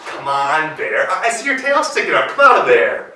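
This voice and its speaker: A crafty folktale fox, played by a male storyteller, coaxing and hedging as he talks. The voice is high and bright, ringing in a very echoey room. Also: wildly swooping pitch, moderate pace, exaggerated voice. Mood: teasing. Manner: smooth-talking, hedging, persuasive. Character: sly, quick-thinking male fox trickster. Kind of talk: live folktale character voice. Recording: roomy live hall, distant mic.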